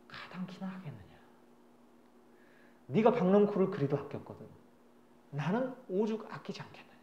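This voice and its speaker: A grave, patient God asks slow, measured questions in a lowered, quiet voice, voiced by a man preaching. The sound carries a roomy echo around it. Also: lo-fi sound. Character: God speaking, calm, grave, patiently reproving.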